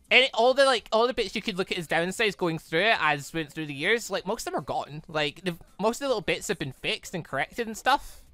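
Bright, rambling gaming host. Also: male voice, sits high, dry recording. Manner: rambling and enthusiastic, many fillers. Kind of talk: casual let's-play wrap-up talk.

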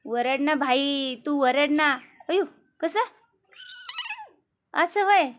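A woman's voice: sits high, extremely slow, a little hiss or hum. A woman films her pet cats at home and talks to them in teasing baby-talk. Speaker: vlogger, mother. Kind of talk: casual home vlog, talking to pet cats.

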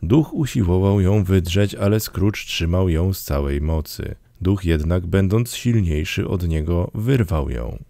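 A man reads a classic story aloud in measured, dramatic narration. His voice sits low, with a gravelly rasp and a mellow, dark tone. Recorded close and dry, with no room sound. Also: expressive, no echo. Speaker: audiobook narrator. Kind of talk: scripted narration.

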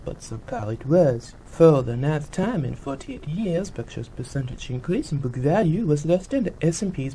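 A man's voice: on the high side, dark tone, slight background noise, poor audio. A man voicing a chatty French monkey puppet reporter with a French accent and a sing-song voice. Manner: jokey, rambling, flustered fibbing. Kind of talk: comic puppet news segment.

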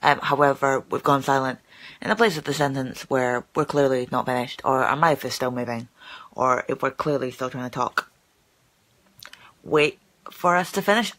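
A woman's voice: rumbling low, normal speed, fairly bright tone. A young woman who stammers, chatting casually with her viewers in a live stream, full of fillers and repeated words, filmed on a phone at arm's length in a small room. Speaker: channel host who stammers. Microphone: phone held at arm's length.

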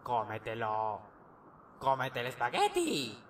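A man voicing a loud, boastful tall skeleton guard in a cartoon fan dub, shouting with wild theatrical leaps in pitch. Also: huge pitch swings, slow pace, slight background noise, heavily acted. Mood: excited.

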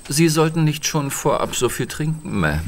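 An actor playing a deferential, concerned chauffeur with a polite, restrained manner in a German audio drama. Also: male voice, fairly high pitch, big pitch swings, normal speed, a little hiss or hum.

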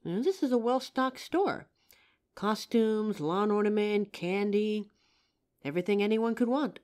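A woman's voice: medium pitch, unhurried, a little mellow, natural voice. A woman playing a young psychic, earnest, confident and helpful, in a scripted roleplay audio drama. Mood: polite, assured. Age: young adult. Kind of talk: scripted roleplay audio acting, addressing the listener.

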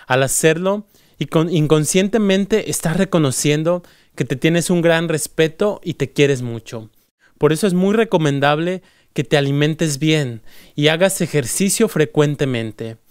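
A man's voice: a little high, clean tone, no echo, clean studio sound. A man hosting a scripted motivational self-help talk, speaking earnestly and directly to the listener.

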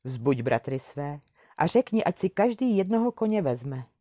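A woman voicing a small, skinny magical white horse who is wise and loyal, speaking in a gently reassuring, unhurried way in a storybook reading. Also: low-pitched, big pitch swings, no room sound.

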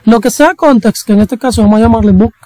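A young adult coding instructor walks through a tutorial in an easygoing, conversational manner. The voice sits at a middle pitch. It is recorded dry, with almost no room sound. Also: fast talker, dark tone, dry recording, poor audio. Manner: casual, chatty teaching with slang and jokey asides. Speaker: programming instructor.

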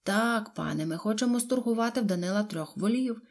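A man's voice: high voice, brisk, voice pushed up. A woman voicing a chatty male villager who rambles in folksy sayings in an audiobook. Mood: rambling.

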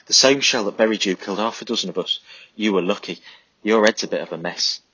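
A man voicing a loyal young soldier who speaks quietly and steadily. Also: lowish voice, fast talker, husky, dry recording. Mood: reassuring. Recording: slightly dull lo-fi recording.

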